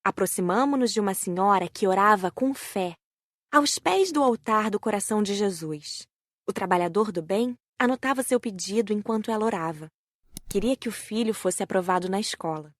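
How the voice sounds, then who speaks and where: A Brazilian woman reading scripted audiobook narration in a measured storytelling manner. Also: mid-range voice, no echo, clean studio sound.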